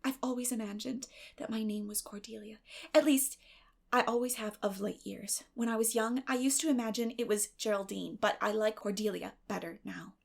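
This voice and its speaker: A woman voicing an eleven-year-old orphan girl, dramatic and imaginative, with a breathy, effusive, emotional delivery in a storybook reading. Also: on the high side, steady tone, normal speed. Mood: eager pleading.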